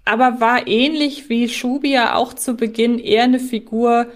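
A woman's voice: fairly high pitch, steady tone, moderate pace. A woman co-hosting a podcast, talking conversationally in a reflective, careful manner. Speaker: podcast co-host. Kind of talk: conversational fan discussion.

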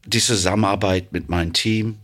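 A man's voice: fairly low pitch, fairly even intonation, moderate pace, fairly bright tone. A man from England with an English accent, a plant manager answering interview questions hesitantly, with many fillers.

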